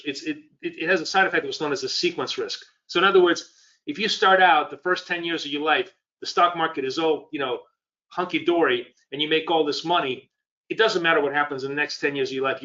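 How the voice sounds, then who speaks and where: A man's voice: fairly high pitch, sharp tone, highs cut off. A man with a cold and a scratchy voice, teaching trading in a live webinar, talking loosely and quizzing his viewers. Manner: rambling, conversational, quizzes the audience. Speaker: trading educator.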